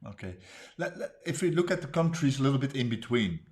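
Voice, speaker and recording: A man's voice: mid-range voice, animated, fast, darkish tone. A man interviewing a guest, asking questions with hesitations and restarts and offering frequent short agreements.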